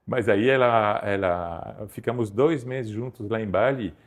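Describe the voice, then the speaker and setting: A man in his fifties from Belgium with a French-speaking Belgian accent, a photographer telling stories in a relaxed interview, with halting, self-repeating phrasing. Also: lowish voice. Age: 50s. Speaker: guest photographer. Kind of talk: casual interview storytelling.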